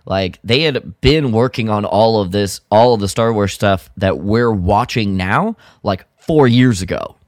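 A man co-hosting a podcast in casual chat, thinking aloud in loose, halting phrases. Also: on the low side, darkish tone, no room sound, clean studio sound. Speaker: podcast co-host.

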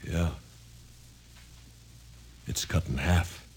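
An actor playing an uneasy but dogged newspaper reporter in a 1950s radio drama, blunt and nervous. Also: male voice, a bass voice, drawn-out words, darkish tone, heavily acted. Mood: uneasy, puzzled. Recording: noisy old 1950s radio recording.

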